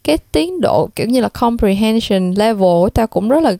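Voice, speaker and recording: Woman co-host, mellow tone, dry close sound, thoughtful casual talk. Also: fairly high pitch, expressive, brisk, gravelly, no echo. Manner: reflective, mixes English words into Vietnamese. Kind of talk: casual chat.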